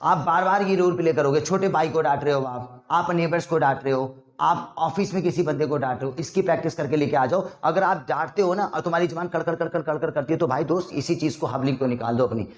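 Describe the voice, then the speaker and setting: Fast-talking male English teacher. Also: a little high. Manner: brisk, lecturing, mixes English words into Hindi. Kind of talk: lesson with scolding role-play demos. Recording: roomy echo.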